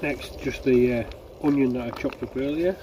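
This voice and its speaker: A man's voice: mid-range voice, moderate pace. A man giving a casual, unscripted step-by-step cooking narration outdoors, thinking aloud as he goes. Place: outdoors at a woodland camp, beside a cooking pan. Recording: distant mic, loud sizzling frying noise. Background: frying and bubbling food.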